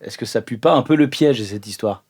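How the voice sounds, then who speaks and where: A man's voice: medium pitch, fairly quick, a little mellow, breathy edge. A man playing a suspicious, fanciful captive in an improvised audio role-play, blunt and mocking in everyday slang. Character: suspicious, cheeky, fanciful green male captive.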